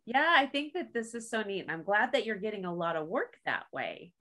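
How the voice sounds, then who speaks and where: A woman with a mid-range voice hosts a relaxed interview. She asks friendly, encouraging questions in an easygoing way. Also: mid-range voice, a little fast. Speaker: interview host. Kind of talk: casual interview chat.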